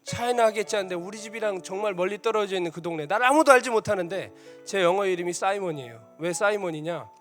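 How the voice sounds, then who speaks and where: A man preaching a sermon as a missionary, telling a story with lively shifts and dropping to a soft hush for quoted voices. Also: high voice, fast. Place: church sanctuary. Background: soft instrumental music.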